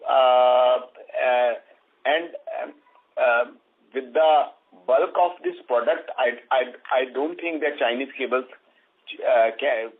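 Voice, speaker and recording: A man with an Indian accent, answering on an earnings call as an executive, haltingly and with repeated words. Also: mid-range voice. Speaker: company executive answering analysts. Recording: rough narrowband telephone line.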